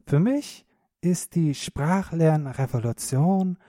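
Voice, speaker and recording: A native German man hosting a podcast for learners, speaking clearly in an upbeat, encouraging way. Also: a little high, slow, warm tone, dry recording, clean studio sound. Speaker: podcast host and language teacher.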